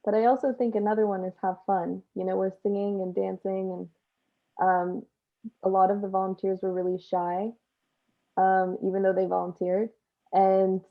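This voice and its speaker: Through narrow, phone-like call audio, a woman speaks with plenty of vocal fry and a fairly flat melody. She chats casually as a guest on a panel. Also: medium pitch. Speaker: theatre performer, panel guest. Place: video call.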